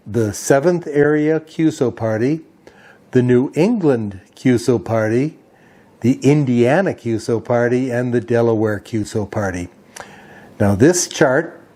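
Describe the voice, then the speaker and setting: A man's voice: mid-range voice, dark tone. A man hosting a hobby radio video, giving an informational briefing in a methodical, itemizing way. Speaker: host of a ham radio video channel.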